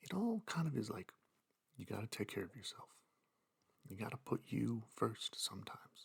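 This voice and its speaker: Whispering and soft-spoken, a man talks in a relaxed tone at a moderate pace with long, frequent pauses, in a dry, close sound with no echo. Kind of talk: ASMR sleep talk, casual rambling about self-care. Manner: soft-spoken, whispered, relaxed.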